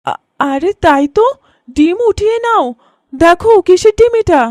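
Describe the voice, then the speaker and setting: Cartoon village mother, played by a woman: extremely high, swooping pitch, curious, exclaiming. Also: expressive, measured pace, a little mellow, no room sound, studio quality. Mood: curious, amazed. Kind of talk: children's moral cartoon voice acting.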